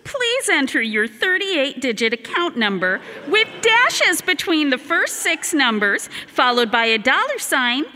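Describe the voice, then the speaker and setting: A woman's voice: high voice, very animated, unhurried, hardly any pauses, sharp tone, big-room sound, full character voice. A woman playing an automated phone-menu voice in a radio comedy, with a polished recorded-message delivery. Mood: chirpy.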